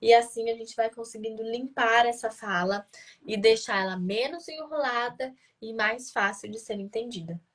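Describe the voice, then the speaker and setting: A woman's voice: on the high side, moderate pace, fairly bright tone. A woman answers parents' questions in a live session, explaining patiently and posing rhetorical questions she then answers. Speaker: child speech-development educator answering parents' questions.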